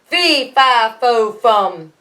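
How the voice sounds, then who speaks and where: A woman's voice: fairly high pitch, expressive, very slow, bright, forceful tone, exaggerated voice. A woman voicing a huge, terrible man-eating giant in a fairy tale, chanting in a bellowing manner. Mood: menacing.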